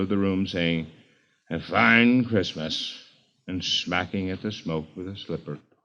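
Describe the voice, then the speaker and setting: A man's plain, everyday voice, fairly low in pitch, at a moderate pace with ordinary pitch variation. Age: young. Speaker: actor. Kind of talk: reading aloud.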